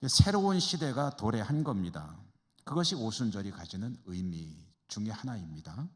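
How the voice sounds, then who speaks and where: A pastor from Korea's Chungcheong region leads a Bible study in a reverberant church hall, chatting conversationally and asking the class rhetorical questions. His voice is lowish and very animated, at a normal speed.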